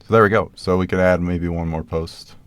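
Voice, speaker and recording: A man with a low voice walks through writing code in a relaxed, conversational way, talking to himself as he goes. He sounds like a screen-recorded coding tutorial, with keyboard typing heard behind him. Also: a little fast, smooth, no echo, clean studio sound. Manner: casual, thinks aloud while typing code. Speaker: programming tutorial host.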